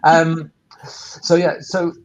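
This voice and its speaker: A man's voice: on the high side, flat delivery, very slow, a little hiss or hum. A man explaining technical points informally on a webinar, rambling and repeating words, from a microphone a few feet away. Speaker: sound engineer and workspace operator, panellist. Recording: dull, band-limited webinar audio.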